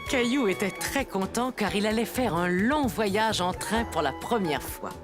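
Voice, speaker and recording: A woman's voice: medium pitch, lively intonation, unhurried, music in the background. A woman narrating a children's cartoon story as a scripted storyteller.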